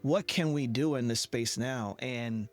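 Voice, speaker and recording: A man's voice: medium pitch, unhurried, faint music behind. A man hosting a conversational podcast interview in an earnest, affirming manner.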